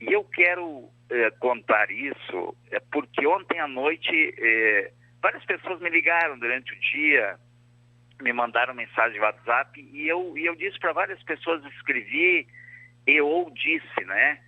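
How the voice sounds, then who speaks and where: Um homem, ex-prefeito, dá entrevista por um telefone chiado que corta o tempo todo, falando de modo formal e pausado, com muitas hesitações. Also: male voice, fairly high pitch, animated, no echo. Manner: formal and measured, with frequent hesitations. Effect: crackly phone line that keeps cutting out. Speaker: former mayor, interview guest. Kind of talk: phone interview on a radio show. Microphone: telephone. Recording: dull, dry phone line.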